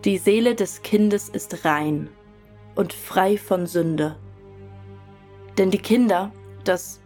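A woman's voice: medium pitch, takes it slowly, a little mellow, close to an everyday voice. A woman playing a devout follower in a German audio drama, giving earnest, reverent testimony about her youth. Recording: music under the voice.

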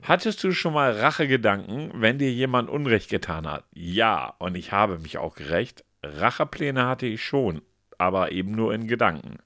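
Lively German man reading a quiz. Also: on the low side, moderate pace, dry recording, studio quality. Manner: reads answer options aloud in a lively, playful tone. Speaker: podcast co-host. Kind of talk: casual podcast chat, reading out a quiz.

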